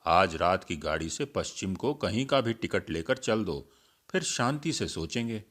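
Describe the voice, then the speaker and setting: A man's voice: deep voice, animated, measured pace, a bit bright, full character voice. A man voicing a disillusioned young male activist in a story reading, giving curt, dismissive replies.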